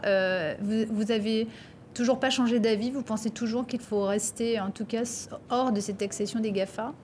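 A woman's voice: a little high, darkish tone, a little hiss or hum. A woman hosting a television interview, asking questions with frequent hesitations and fillers. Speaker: TV interviewer and host.

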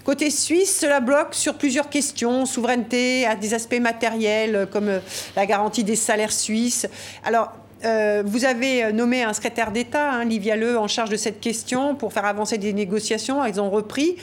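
A woman's voice: a little high, fairly even intonation, normal speed. A woman interviewing a guest, guiding the questions with many filler sounds.

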